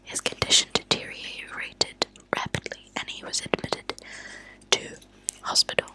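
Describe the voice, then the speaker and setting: A woman whispering in a breathy, unvoiced voice, reading aloud slowly and softly in an ASMR style. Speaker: ASMR host reading true crime stories aloud. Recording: lo-fi close whispered ASMR recording.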